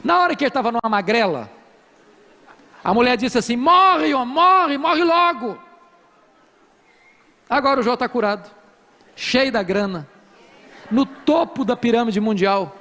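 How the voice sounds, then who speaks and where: A Brazilian pastor preaching a sermon to a congregation, telling stories with humor and acted quotes. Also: male voice, very high voice, animated, moderate pace, long pauses, a bit bright. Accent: Brazilian Portuguese. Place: church hall with congregation. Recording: live hall with long reverb.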